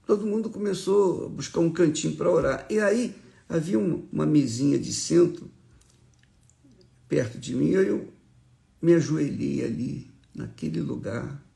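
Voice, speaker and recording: A man delivers a morning devotional sermon as a bishop. His delivery is unhurried and reflective, and a gravelly edge runs through his voice. He drops into soft murmured prayers now and then. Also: fairly high pitch.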